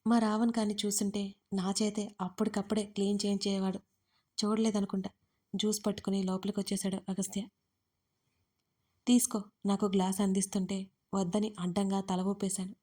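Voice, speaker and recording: A woman's voice: mid-range voice, flat delivery, a little fast, a little mellow. A woman narrating a first-person audio story in an intimate, conversational way. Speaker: author and narrator.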